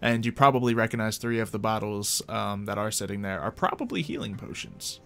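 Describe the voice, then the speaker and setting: A man's voice: lowish voice, expressive, a little fast, gravelly, fairly bright tone, soft background music. A man running a tabletop game, narrating casually and improvising as he goes in a conversational, hesitant way. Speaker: game master.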